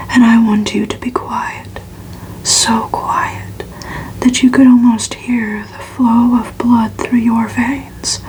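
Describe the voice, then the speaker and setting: Female ASMR reader for gothic fiction: fully whispered, unhurried, very even in pitch. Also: rough recording. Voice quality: soft unvoiced whisper. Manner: slow, hushed, even narration.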